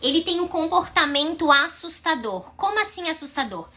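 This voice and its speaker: A woman teaches child psychology in a high, bright voice. She lectures in a conversational way, often turning to her listeners with rhetorical questions. Her tone stays clear and forward as she explains each point. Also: animated, moderate pace. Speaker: psychology instructor.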